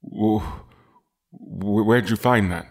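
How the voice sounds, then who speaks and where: A man's voice: on the low side, slow pace, gravelly. A man playing a frightened, defensive kidnapped novelist in an audio drama, pleading and stammering. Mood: fearful. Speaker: kidnapped guest character.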